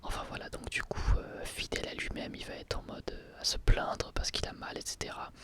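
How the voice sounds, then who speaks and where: A man hosting his channel, reviewing an anime episode in a soft ASMR whisper, hesitating often with fillers. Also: fairly quick.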